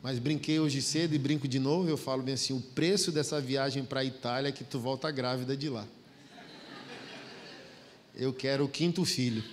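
A man's voice: medium pitch, steady tone, moderate pace, a little hiss or hum. A middle-aged man from Brazil preaching a sermon in a folksy, emphatic way, acting out bits of dialogue. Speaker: pastor. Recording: long hall reverb.

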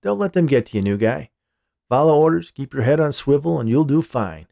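A man's voice: medium pitch, big pitch swings, brisk, gravelly, warm tone, pitched above the performer's own voice. A man voicing a cocky, friendly security guard in an audio story, with breezy banter. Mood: friendly teasing.

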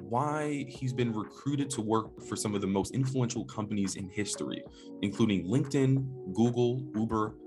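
A man hosting a podcast, upbeat and energetic, chatting in slangy, casual speech and greeting listeners in Spanish. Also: mid-range voice. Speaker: podcast host. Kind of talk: casual podcast intro and interview.

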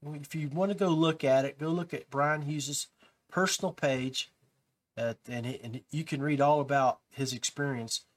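A man's voice: on the high side, steady tone, moderate pace. A man hosting a fishing podcast, talking casually and rambling a bit with fillers and restarts. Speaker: podcast host.

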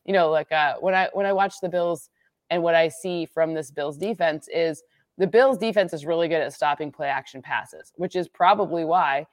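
A woman from the Midwest talking through football analytics in casual chat, quick and full of restarts. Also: low-pitched, dry recording, clean studio sound. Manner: quick, restarts sentences, laughs at own jokes.

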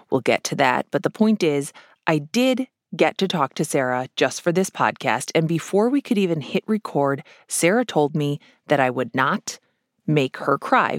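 A woman's voice: deep voice, no echo, studio quality. A woman hosting a podcast, narrating in a wry, playful scripted style with joking asides. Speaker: podcast host.

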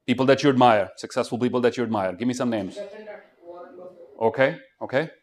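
A man's voice: medium pitch, a little fast. A middle-aged man with an Indian accent giving students a motivational talk, emphatic and exhorting, often firing questions at them. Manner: emphatic, exhorting, fires rhetorical questions at the audience. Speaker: motivational speaker.

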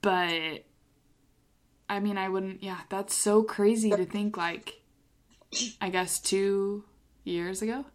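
A woman's voice: medium pitch, steady tone, slow, pauses often. A woman hosting a podcast, chatting in a casual, upbeat way with many fillers. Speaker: podcast host. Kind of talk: casual interview chat.

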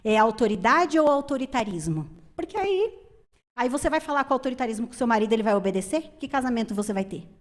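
Brief: woman speaker, slightly high voice, animated church talk, asks the room questions. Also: fast talker. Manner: lively, emphatic, asks the audience questions. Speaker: women's ministry speaker.

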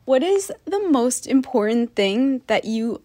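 A woman's voice: fairly high pitch, sing-song, unhurried, mellow. A woman co-hosting a podcast in casual chat, steering the talk with questions and short, easygoing replies. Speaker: podcast co-host.

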